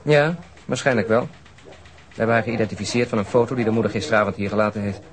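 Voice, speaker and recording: An actor playing a sober, weary police detective in a radio crime drama, terse and subdued. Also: male voice, on the low side, fairly even intonation, quick pace, natural voice. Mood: businesslike, weary. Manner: terse, matter-of-fact, subdued.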